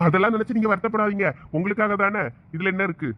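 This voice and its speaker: A man's voice: high-pitched, steady tone, fast, heavy background noise, natural voice. A man voicing a groaning bee-stung villager. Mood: polite, flustered. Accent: Thoothukudi Tamil. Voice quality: whiny, groaning. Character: young village man, face swollen from bee stings. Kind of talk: cartoon voice acting. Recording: dull lo-fi audio.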